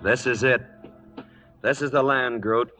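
A man's voice: medium pitch, steady tone, measured pace, sharp tone. An American actor playing a tough, stubborn cattleman with a terse, authoritative manner in a radio western. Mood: commanding. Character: stubborn, commanding frontier cattleman, tough grown man. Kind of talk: 1940s-1950s radio western acting. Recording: old radio recording, faint music.

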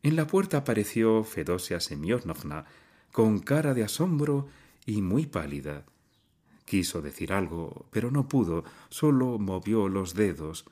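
Low-voiced man reading a somber story. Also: very animated, a little slow, dark tone. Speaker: narrator. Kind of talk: literary audiobook reading.

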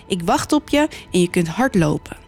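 A woman's voice: on the low side, big pitch swings, moderate pace, darkish tone, slightly rough, faint music behind, heavily acted. A woman doing a commanding old church ghost. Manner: firm, instructing.

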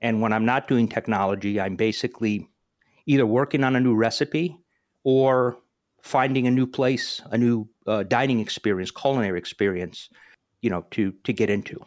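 A man's voice: mid-range voice, normal speed. A talkative man in his forties hosts a podcast in a casual, upbeat way. He grew up in New Jersey and learned Greek before English, and he often restarts his sentences as he goes. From northern New Jersey. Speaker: podcast host.

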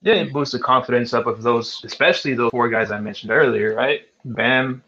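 Excitable man on a dull, lo-fi recording. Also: mid-range voice, brisk. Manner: excitable, slangy. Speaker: podcast host. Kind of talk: casual sports chat. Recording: dull lo-fi sound.

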